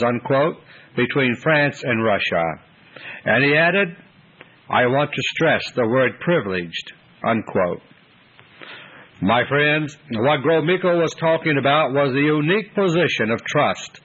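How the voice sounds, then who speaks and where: Husky guy reading his political commentary slow and steady, dull lo-fi tape sound. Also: on the high side. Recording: dull lo-fi audio.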